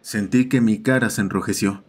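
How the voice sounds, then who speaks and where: A man's voice: fairly low pitch, normal speed, slightly rough. A man doing scripted first-person narration for an audio horror story.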